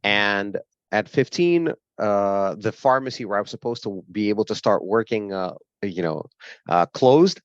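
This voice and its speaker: A man in his forties with a Brooklyn accent and a low voice. He recounts his past in a relaxed, rambling way, full of fillers and small laughs. The sound is dry and a bit muffled. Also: a little slow, clear, resonant tone, no room sound. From grew up in Brooklyn, New York. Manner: frequent fillers, laughs while telling stories. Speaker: guest. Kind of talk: casual interview storytelling.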